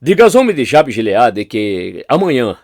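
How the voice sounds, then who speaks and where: A man's voice: medium pitch, sing-song, moderate pace, a little mellow, no room sound, studio quality. A man with a Brazilian Portuguese accent, a pastor reading Bible chapters aloud and lifting his voice for quoted speech.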